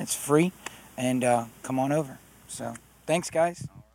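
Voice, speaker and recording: A man's unremarkable speaking voice at a moderate pace, with ordinary pitch variation. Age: 40s. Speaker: podcast host interviewing students. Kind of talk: casual street interviews. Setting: outdoors on a university campus.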